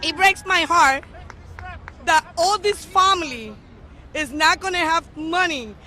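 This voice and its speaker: Over noticeable background noise, a woman with a strong non-native accent projects a raised voice at an extremely high pitch, with ordinary pitch variation. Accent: very strong foreign. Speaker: restaurant owner. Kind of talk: protest speech. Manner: halting.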